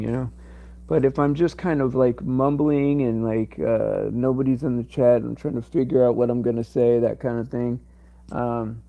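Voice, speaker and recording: A man hosting a livestream in casual chat, his voice strained and cracking, rambling and halting with many fillers. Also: medium pitch, warm tone. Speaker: livestream host.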